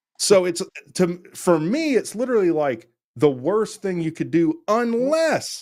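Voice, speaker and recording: With an American accent, a high-pitched man speaks at a fairly slow pace, his pitch swinging very widely. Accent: redneck. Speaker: livestream host. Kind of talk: casual chat. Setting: livestream.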